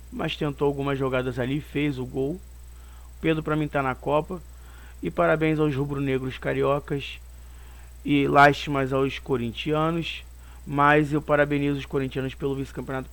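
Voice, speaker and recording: Hoarse from a cold, a medium-pitched man with a Brazilian Portuguese accent gives rambling, opinionated match commentary on his own football channel. He keeps returning to the same points.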